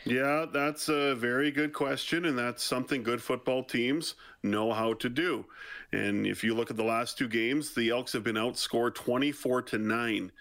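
A man working as a football colour commentator, giving conversational radio analysis in a deep voice. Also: fairly even intonation, moderate pace, fairly bright tone, no echo.

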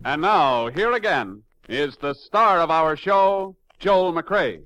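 A man's voice: on the high side, expressive, takes it slowly, dull audio. An American man announcing in formal, scripted 1950s radio style. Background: loud music.

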